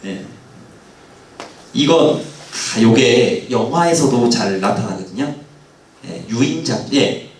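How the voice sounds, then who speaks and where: Animated male lecturer in an echoey hall. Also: mid-range voice, slow pace, long pauses. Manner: animated, asks audience questions, acts out quoted lines. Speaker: history lecturer. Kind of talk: lively public history lecture. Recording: roomy hall sound, mic at a distance.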